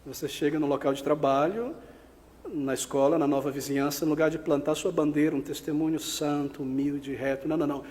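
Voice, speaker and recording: A Brazilian man preaches a sermon in a fairly high voice, swinging from loud, forceful outbursts to hushed, earnest appeals. His voice rings with the long reverb of a church hall. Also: fairly even intonation, brisk. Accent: Brazilian Portuguese. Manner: emphatic preaching, rising to loud outbursts then dropping to quiet appeals. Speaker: pastor.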